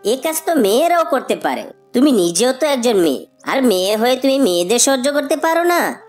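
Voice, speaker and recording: A woman voicing a gentle, reasonable father bird in a children's cartoon, patient and mildly reproachful. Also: sits high, big pitch swings, brisk, soft background music. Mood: reasoning.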